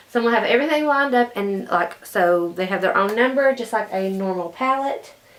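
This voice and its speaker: Against noticeable background noise, a woman speaks at a fairly quick pace with lively intonation. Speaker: beauty vlogger. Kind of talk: casual tutorial chat. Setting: at home. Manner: quiet.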